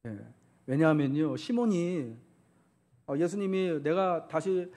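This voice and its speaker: A man's voice: a little high, animated, takes it slowly, dark tone. A man preaching a Sunday sermon as pastor, asking the congregation questions and acting out quotes.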